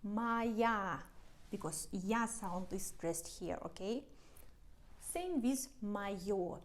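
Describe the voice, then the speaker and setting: A woman teaching a language lesson, spelling out and repeating words slowly for beginners. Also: mid-range voice, animated. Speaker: Russian teacher.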